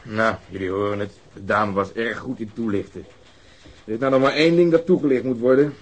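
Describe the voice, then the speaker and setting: An actor playing a dry, matter-of-fact police detective with a husky voice, in radio drama dialogue. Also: male voice, fairly low pitch, fairly quick, dull audio, background noise, close to an everyday voice. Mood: dry, businesslike. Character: brisk, dry male police detective reviewing a puzzling case.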